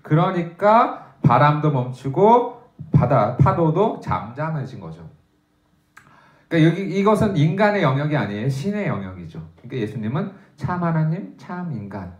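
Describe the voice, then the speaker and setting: A man's voice: fairly high pitch, big pitch swings, moderate pace, echoey room, lo-fi sound. A man, a pastor, giving a dawn prayer sermon in a conversational way, reading scripture aloud with raised emphasis. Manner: conversational preaching with frequent "예" fillers.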